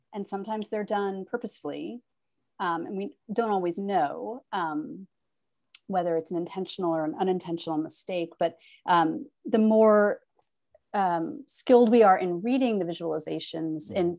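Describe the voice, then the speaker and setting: A woman's dark, mellow tone, broken by long, frequent pauses. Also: ordinary pitch variation, moderate pace, quiet background. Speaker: library host and DH center director; workshop host. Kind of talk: workshop introduction and Q&A moderating. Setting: video call. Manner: formal, hesitant with fillers. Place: home room. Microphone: earbuds.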